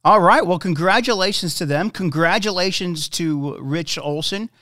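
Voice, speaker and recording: A man's voice: high-pitched, moderate pace, sharp tone, no room sound, clean studio sound. A young man hosting an interview show, asking questions in a friendly, informal way with hesitant fillers. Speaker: podcast host, interviewer. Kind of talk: casual interview chat.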